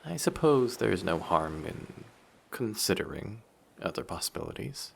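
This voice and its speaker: Brief: male actor as possessive male sea monster for audio roleplay, very low and gravelly, quietly menacing yet flirtatious. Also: very animated, heavily acted. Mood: hesitant, considering. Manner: measured, quietly menacing, formal wording. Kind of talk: intimate scripted audio roleplay drama.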